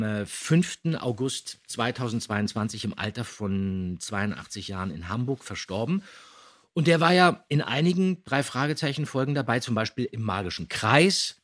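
A man co-hosting a podcast, telling anecdotes in a casual, conversational way. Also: mid-range voice. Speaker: podcast host.

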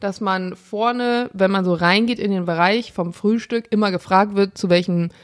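A woman's voice: medium pitch, fairly even intonation, moderate pace. A woman co-hosting a podcast, telling an anecdote in a casual chat and acting out the dialogue in raised voices with frequent laughter, recorded in a hotel room. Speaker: podcast co-host.

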